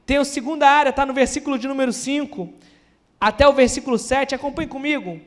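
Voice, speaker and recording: A man's voice: very high-pitched, fast, a bit bright. A Brazilian man preaching a sermon at a church service, earnestly acting out quoted lines and often restarting his words. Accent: Brazilian Portuguese.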